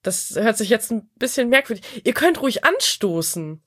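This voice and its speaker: A woman's voice: a little high, very animated, moderate pace, husky, no echo, clean studio sound. Woman with a cold, rambling and laughing. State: has a cold. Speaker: podcast guest. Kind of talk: casual chat.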